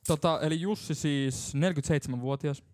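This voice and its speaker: A man's voice: fairly high pitch, a little mellow, no echo, clean studio sound. A young man from Finland hosting a casual drinking podcast, telling stories loosely and laughing often. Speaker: podcast host.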